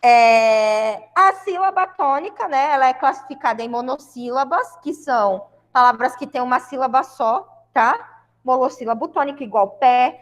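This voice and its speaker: Her voice high and echoing through a large hall, a Brazilian woman who teaches Portuguese at school walks her students through grammar step by step. She has a Brazilian Portuguese accent and frequently checks whether the class is following.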